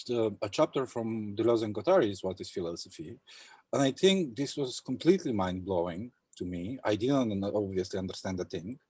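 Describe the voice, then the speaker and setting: A young man from Bulgaria speaking thoughtfully in an academic round-table discussion on a video call, pausing often with fillers. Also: mid-range voice, darkish tone, no echo. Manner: thoughtful, hesitant with many fillers. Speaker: panel speaker.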